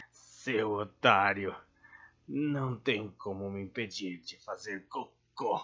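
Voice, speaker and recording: Using a put-on character voice, a man speaks at a very slow pace and a fairly low pitch. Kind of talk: comic overacting. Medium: machinima. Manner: boastful, defiant, insulting.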